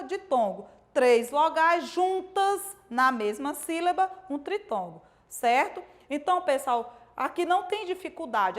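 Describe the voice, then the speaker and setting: This is a woman with a rather high voice teaching a recorded lesson to young pupils. She goes over each point more than once, sounds out syllables slowly, and keeps checking that the children follow along. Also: a bit bright. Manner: explains slowly and repeats points, asking "certo?" and "né?" often.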